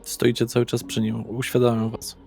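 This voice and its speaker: Even-toned male game master. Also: medium pitch, normal speed, vocal fry, soft background music. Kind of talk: narrating a tabletop roleplaying game.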